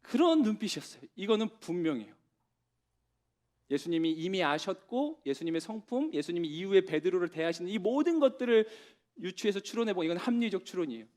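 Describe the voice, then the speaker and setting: A pastor preaches a sermon to young adults in a high-pitched, sing-song voice. He tells the story with dramatic pauses and drops to a soft voice for the tender words.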